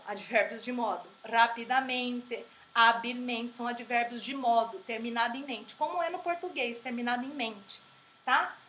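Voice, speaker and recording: A woman teaching a grammar lesson, explaining patiently and repeating example words slowly. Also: fairly high pitch, a bit bright. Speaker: Spanish teacher. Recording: echoey room with faint background noise.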